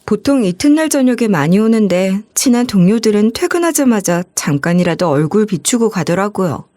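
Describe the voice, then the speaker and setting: A woman narrating a first-person true story in an expressive, emotional storytelling manner on a close mic. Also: medium pitch, moderate pace, no echo.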